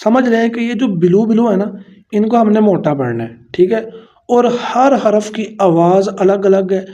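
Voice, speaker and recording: High-voiced patient male Quran teacher. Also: lively intonation, mellow, lo-fi sound. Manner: patient, drills letters syllable by syllable. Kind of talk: step-by-step pronunciation lesson.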